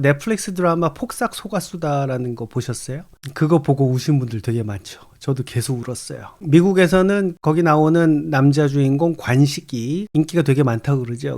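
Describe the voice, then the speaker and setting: Guy teaching english, reads lines super slow then breaks them down, kinda high voice. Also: gravelly, a little mellow. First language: Korean. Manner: reads English phrases very slowly, then explains in Korean. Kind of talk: reading and explaining an English short story.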